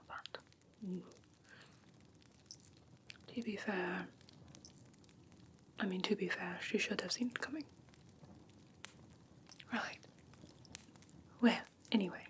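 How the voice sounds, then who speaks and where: A woman voicing an ancient, haughty yet curious fae in a soft breathy whisper for an ASMR fantasy roleplay, halting and matter-of-fact. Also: mid-range voice, lightly acted. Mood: musing, curious. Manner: unhurried, matter-of-fact, faintly condescending, halting. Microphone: close ASMR microphone. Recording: close-miked with clear background ambient noise.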